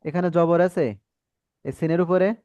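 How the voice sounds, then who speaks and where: A man with a Bangladeshi accent teaching Quran reading in an online class, patiently correcting students and modelling drawn-out syllables. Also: fairly high pitch, fairly even intonation, warm tone, clean tone, dry recording.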